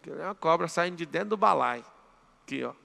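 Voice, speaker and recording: A man with a Brazilian Portuguese accent leads a live motivational seminar, pressing his audience with emphatic commands. His voice sits high and is deeply gravelly, with a forceful, bright edge. Long reverb from the big hall trails each phrase. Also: animated, quick pace. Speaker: mentor.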